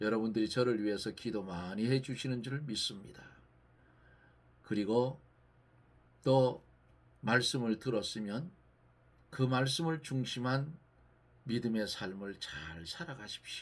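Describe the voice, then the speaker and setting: Very slowly and with long, frequent pauses, a man speaks with lively intonation. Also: medium pitch for a man. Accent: slight Gangwon. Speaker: church elder, Bible teacher. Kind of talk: Bible exposition. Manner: homely, conversational.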